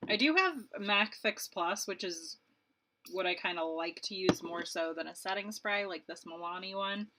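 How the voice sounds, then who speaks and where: A woman's voice: fairly low pitch, normal speed, noisy background. A woman in her late twenties, a beauty vlogger chatting casually and rambling while she does her makeup, laughing often. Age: 20s.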